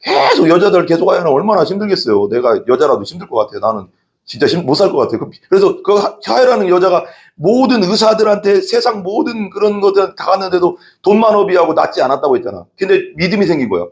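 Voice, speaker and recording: A man preaching in a church with a lively, swooping voice that climbs high when he stresses a point. He is an animated storyteller who keeps turning to the congregation with questions. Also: fast. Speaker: pastor. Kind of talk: evening church sermon.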